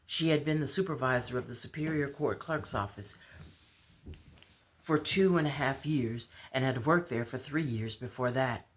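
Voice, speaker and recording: A woman's voice: extremely low pitch, normal speed, poor audio. Female author-storyteller, narrative read-aloud of a novel. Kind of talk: expressive read-aloud of fiction.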